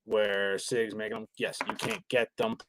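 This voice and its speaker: A man from Massachusetts, a guest talking loudly and emphatically over a video call, often restarting his sentences. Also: fairly low pitch, steady tone, vocal fry, background noise. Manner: loud and emphatic, rapid restarts. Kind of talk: casual gun talk. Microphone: video call, loud personal mic.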